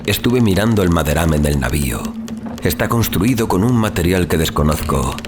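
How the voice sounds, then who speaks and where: A man narrating a horror audiobook in a measured, solemn, theatrical manner, as a dramatic scripted reading. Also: deep voice, expressive, background noise. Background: music.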